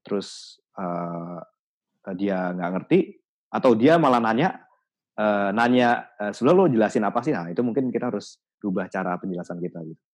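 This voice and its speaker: Man, low voice, podcast guest, casual chat, thoughtful, pauses and restarts. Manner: thoughtful, many fillers and restarts while explaining.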